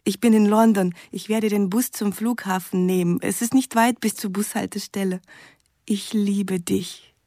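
A woman's voice: medium pitch, steady tone, normal speed, warm tone, no room sound, studio quality, close to an everyday voice. An actress playing an adoring woman in love, reading her letter in a yearning way for a radio drama. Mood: yearning, loving.

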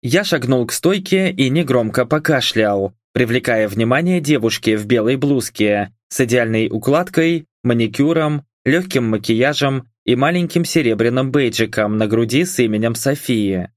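A man narrating a first-person audiobook in a calm, even storytelling manner. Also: medium pitch, moderate pace, few pauses, dry recording, clean studio sound.

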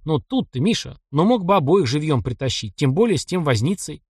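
A man's voice: on the high side, sing-song, fairly quick, darkish tone, breathy edge, no room sound, studio quality, full character voice. A man reading the lines of a stern, grumbling male counterintelligence officer in an audiobook. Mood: reproachful. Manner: grumbling, reproachful.

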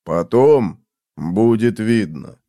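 A man voicing a gruff, tormented man in a storybook reading, speaking slowly and tersely. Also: on the low side, lively intonation, warm tone, no room sound, studio quality, voice pushed down. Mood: brooding. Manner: slow, heavy, terse.

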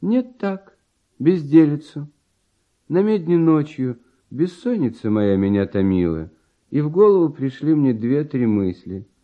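A carefree, playful composer in an old radio drama. His delivery is theatrical and very lively in pitch, yet takes its time. The recording is dull, with faint music behind him. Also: unhurried. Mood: modest, hesitant. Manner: animated, light-hearted, expressive stage delivery. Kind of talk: theatrical radio play acting in verse.

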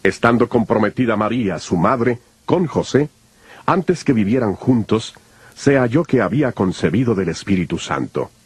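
A man narrating scripture from a script in a solemn, measured storytelling manner. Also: on the low side, expressive, breathy edge, no room sound. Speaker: Bible narrator.

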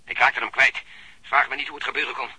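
An actor playing a keen police detective on a suspect's tail, reporting in urgent, clipped phrases in a Dutch radio drama. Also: male voice, mid-range voice, fairly even intonation, fast talker, sharp tone, slightly rough, heavily acted, poor audio. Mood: urgent, uneasy.

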